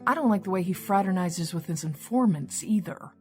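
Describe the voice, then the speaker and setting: An actress playing a candid, businesslike senior law enforcement chief in an audio drama. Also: female voice, fairly low pitch, expressive, brisk, darkish tone, faint music behind, natural voice. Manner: businesslike, frank.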